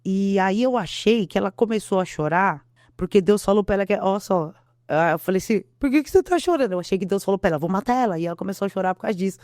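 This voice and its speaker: Mulher brasileira dando testemunho emocionado. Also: female voice, mid-range voice, fairly even intonation, quick pace, darkish tone, dry recording, studio quality. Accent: Brazilian Portuguese. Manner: earnest, repeats herself, acts out quotes. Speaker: interview guest. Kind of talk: emotional testimony.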